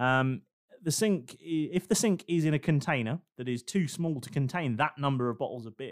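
Someone with a British accent talks at a moderate pace on a very clean recording with a silent background. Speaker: dungeon master. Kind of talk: tabletop role-play narration.

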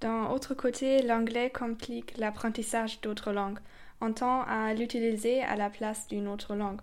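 In a German accent, a woman speaks with a fairly high pitch and monotone, flat intonation on a very clean recording with a silent background. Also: fairly slow pace. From Germany. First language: German (speaking French). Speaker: European volunteer, podcast co-host. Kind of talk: scripted podcast narration.

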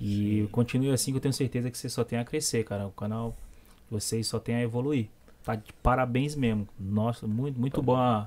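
Speaking at a fairly quick pace, a man with a medium pitch and fairly even intonation has a normal speaking voice. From Brazil. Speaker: guest co-host. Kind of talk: casual chat. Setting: live video stream.

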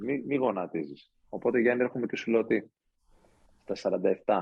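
A man at a medium pitch and moderate pace, with lively intonation. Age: 40s. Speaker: fitness educator and business owner. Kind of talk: casual interview chat.

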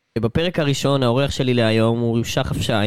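In a dry, close sound with no echo, a man with a plain, everyday voice talks at a moderate pace and medium pitch, his intonation fairly even. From Israel, Bat Yam. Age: 20s. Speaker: podcast host. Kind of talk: casual chat; scripted narration. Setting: studio.

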